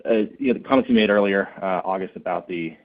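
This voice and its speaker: A man's voice: sits low, fast. A man working as a financial analyst, politely asking questions on an earnings call. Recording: phone-like narrow band call.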